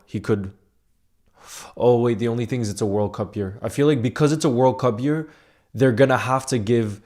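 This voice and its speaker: A man's voice: medium pitch, a little mellow. A young man hosting a casual livestream, chatting and reading viewer comments aloud. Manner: conversational, often asks "you know what I mean". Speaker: livestream host.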